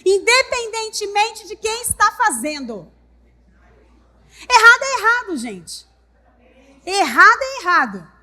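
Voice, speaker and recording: High, bright-voiced Brazilian woman preaching. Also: sing-song, a little slow, pauses often. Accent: Brazilian Portuguese. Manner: emphatic, repeats phrases, addresses congregation directly. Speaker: pastor. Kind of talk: sermon.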